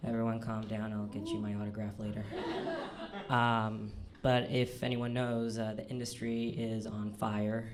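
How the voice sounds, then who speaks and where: A young trans man telling self-deprecating stand-up stories on a comedy club stage, halting often with ums and uhs. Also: little pitch movement, a crowd in the background. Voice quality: fairly low, manly voice. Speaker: stand-up storyteller. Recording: live club recording with audience noise. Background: audience laughter.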